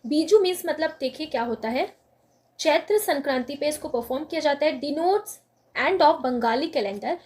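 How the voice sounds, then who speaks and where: A woman with a high, light voice teaches an exam-prep lesson. She talks patiently and step by step, asking the class a question and then answering it herself. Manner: explains slowly, asks and answers her own questions.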